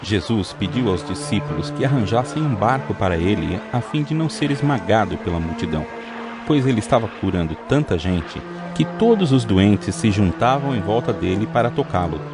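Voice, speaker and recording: A man narrating an audio Bible in a steady, measured scripted reading. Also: fairly low pitch. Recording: music playing underneath.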